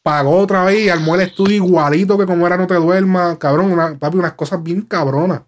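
A man with a Puerto Rican accent talking casually and with animation, full of slang. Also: fast talker. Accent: Puerto Rican Spanish. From Puerto Rico. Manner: animated, slangy, acts out quotes in high voices. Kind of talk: casual chat.

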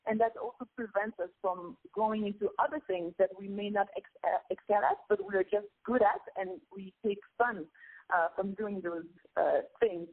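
A woman's voice: mid-range voice, moderate pace, slightly rough. A woman from Congo whose first language is Lingala, a singer being interviewed, speaking in an earnest, reflective way with hesitant restarts. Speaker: singer and guest. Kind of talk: casual interview chat. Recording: tinny phone line.

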